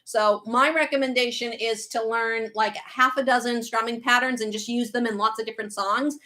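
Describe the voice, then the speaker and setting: Her voice sits on the high side, steady and sharp. This thirty-something guitar teacher with a light Boston accent chats on a livestream, reading viewer comments aloud, answering their questions and dropping quick asides.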